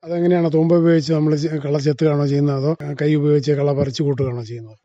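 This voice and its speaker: A man's voice: fairly high pitch, flat delivery, rapid-fire, dark tone, no echo. A man, asking questions as a radio interviewer. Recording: dull, muffled radio recording.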